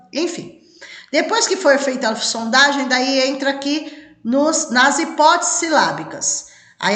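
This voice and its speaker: A woman's voice: on the high side, fairly bright tone, echoey room. A woman teacher giving an exam-prep lecture, explaining step by step and checking in with her listeners often.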